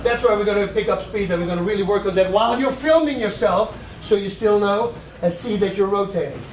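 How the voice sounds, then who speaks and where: A man coaching a striking class, counting out combinations with punch sounds and shouting cues to his students. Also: high voice, brisk. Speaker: martial arts coach. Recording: roomy, distant, faint gym noise.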